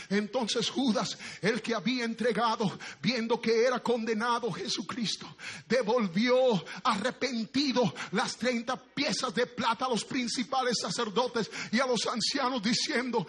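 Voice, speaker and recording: A middle-aged man preaching a fiery sermon, swinging from shouted peaks to low, measured speech. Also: slightly rough.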